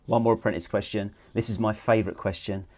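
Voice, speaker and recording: A man's voice: fairly low pitch, fairly even intonation, quick pace, a little mellow. Jokey male podcast host. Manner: jokey, playful, teasing. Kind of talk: casual interview chat.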